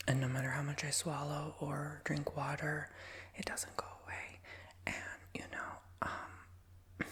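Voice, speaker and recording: A man in his twenties with a nasal, raspy voice, giving a soft, rambling ASMR whisper with many fillers. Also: on the high side, little pitch movement, a little slow. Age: 20s. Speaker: ASMR creator.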